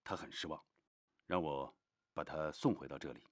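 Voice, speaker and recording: Military subordinate: deep, matter-of-fact, respectful, period TV drama, dry recording. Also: male voice, normal speed, dry recording. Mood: deferential. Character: deferential male military subordinate reporting. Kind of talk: Chinese period TV drama acting.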